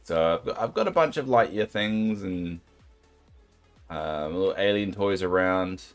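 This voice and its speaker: A young adult man with a New Zealand accent and a deep, soothing voice, chatting casually and self-deprecatingly with his viewers while playing a game. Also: animated, unhurried, soft background music. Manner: rambling, self-deprecating, sympathetic. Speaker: game streamer.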